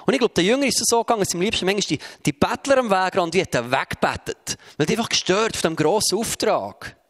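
A man preaching a sermon, telling Bible stories in a lively way and acting out their voices. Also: high voice, quick pace. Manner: lively storytelling that acts out the voices of Bible figures.

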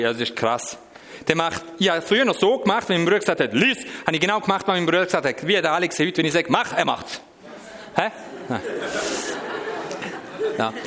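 A middle-aged Swiss man with a Swiss German accent tells his own story to an audience. His voice is mid-pitched and lively, rising and falling a great deal as he moves from quiet asides to sudden outbursts. The sound carries a long echo from a large hall. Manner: animated storytelling, swinging from hushed asides to sudden shouts. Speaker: speaker giving a personal testimony. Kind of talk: personal testimony to an audience. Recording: reverberant hall.

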